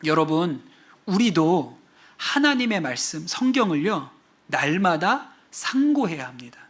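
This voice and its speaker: A male pastor delivers a sermon in a church sanctuary. His voice sits high for a man and swings widely in pitch as he fires questions at the congregation. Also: measured pace. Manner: animated, asks the congregation questions. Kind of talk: sermon to a mixed-age congregation.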